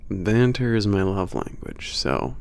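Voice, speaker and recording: A man playing a teasing werewolf trainer with a bit of an attitude in an ASMR roleplay, gravelly, casual and hesitant in his banter. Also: lowish voice, big pitch swings, unhurried, full character voice. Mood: playful banter. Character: teasing, gruff-edged male werewolf trainer at a spaceport. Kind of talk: ASMR roleplay, naturalistic one-sided conversation.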